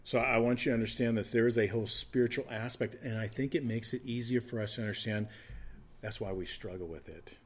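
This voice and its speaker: A man's voice: mid-range voice, brisk, breathy edge. A man in his fifties preaching a casual, conversational sermon, often restarting and repeating words. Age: 50s. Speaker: pastor.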